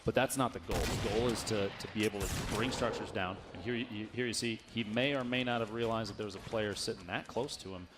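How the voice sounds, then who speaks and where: A man with a fairly low voice casts an esports match at a rapid pace. His live commentary is analytical and technical. Game gunfire and clear noise sit behind him. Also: fairly even intonation. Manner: esports caster delivery, analytical running commentary.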